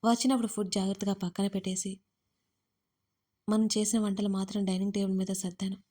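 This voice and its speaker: A woman tells a first-person audio story in a close, conversational manner. Her voice is warm and mellow, and her pitch stays level with little rise and fall. The telling is unhurried and personal. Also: level tone. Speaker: author and narrator.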